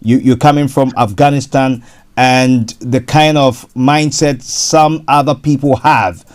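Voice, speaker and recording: A man hosting a radio property show, interviewing a guest in a halting way, often repeating words. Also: mid-range voice, fairly even intonation. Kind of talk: casual interview.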